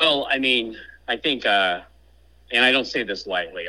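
The tone is bright and sharp, with an American accent. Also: man. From Kansas, US Midwest. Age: 40s. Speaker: long-distance hiker. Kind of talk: podcast interview.

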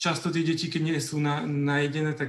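Somewhat breathy male speech pitched fairly high. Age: 20s. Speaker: student, charity social media volunteer. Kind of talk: live stream interview. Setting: video call.

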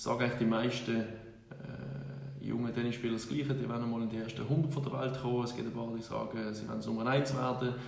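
A man with a Basel accent and medium pitch speaks with fairly even intonation amid audible room echo and noticeable background noise. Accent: Swiss German (Basel). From Switzerland, Basel. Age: 30s. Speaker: former professional tennis player. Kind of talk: interview. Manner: halting.

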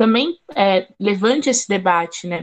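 This is a woman speaking. Her voice sits at medium pitch. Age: 20s. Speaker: history student and activist. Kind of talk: panel discussion.

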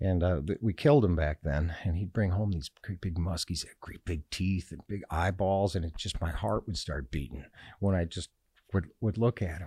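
This man's voice sits very deep and low, with a dark, mellow tone, a somewhat breathy quality and ordinary pitch variation. The recording is very clean and dry, heard close up with no echo over a silent background. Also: moderate pace. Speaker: fishing TV host and angler. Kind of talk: casual interview.

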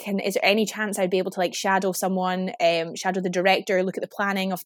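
A woman speaks at a very fast pace with a Highland Scottish accent. Her pitch is medium. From Scotland, Highlands (Inverness). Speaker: events graduate. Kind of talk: casual interview.

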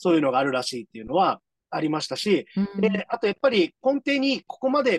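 Recorded dry and close with no echo, a man speaks with very wide pitch swings. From Okinawa, Japan. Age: 30s. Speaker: smartphone advisor and comedian. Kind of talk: casual panel discussion.

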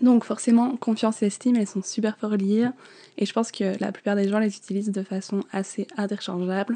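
A woman speaks at a fairly quick pace in a fairly high pitch, her tone dark and mellow and her intonation fairly even. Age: 20s. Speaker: podcast host. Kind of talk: solo podcast talk.

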